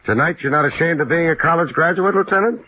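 A man's voice: on the high side, fast talker, a little hiss or hum, close to an everyday voice. An actor playing a laid-back, tough private detective in a 1950s radio drama, dry and wisecracking as he narrates and talks. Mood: teasing, brisk. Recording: tinny old radio broadcast with music.

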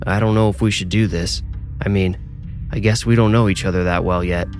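A man's voice: deep voice, fairly even intonation, brisk, darkish tone, soft background music, lightly acted. A man voicing a nervous teenage boy who stammers and snaps back defensively. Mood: hesitant. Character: flustered teenage boy, nervous, easily rattled.

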